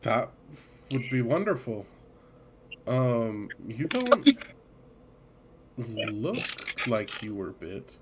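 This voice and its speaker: A man's voice: medium pitch, big pitch swings, very slow, long pauses, very noisy, heavily acted. A man voicing a polite, concerned villager checking on the boats, in a raised voice. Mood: doubtful.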